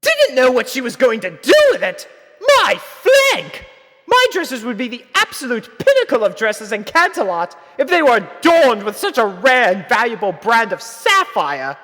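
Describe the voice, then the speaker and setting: A woman's voice: fairly high pitch, sing-song, measured pace, fairly bright tone, big-room sound, voice pushed up, full character voice. A woman voicing a haughty, theatrical female pony dressmaker who speaks in grand indignation. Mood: indignant, scandalized.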